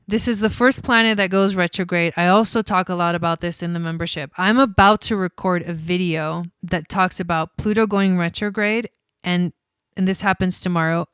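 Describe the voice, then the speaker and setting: Smooth-voiced woman, chatty astrologer. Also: on the low side, dry recording. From Argentina. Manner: chatty and swears freely, with many fillers. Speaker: astrologer host. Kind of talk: casual livestream talk.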